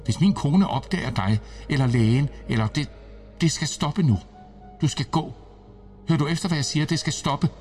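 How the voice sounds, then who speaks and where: A man voicing a feverish, delirious army major who pleads and shouts in agitation. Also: on the high side, distant mic, soft background music, voice pushed up, natural voice. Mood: frantic.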